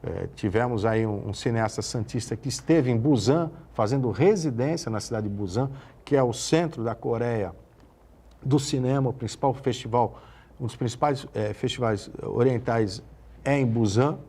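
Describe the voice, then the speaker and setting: Guy from the on a tv talk show, gravelly husky voice, gets fired up listing things. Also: medium pitch, normal speed, dark tone. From Santos, Brazil. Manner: passionate, builds to emphatic lists. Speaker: city official guest.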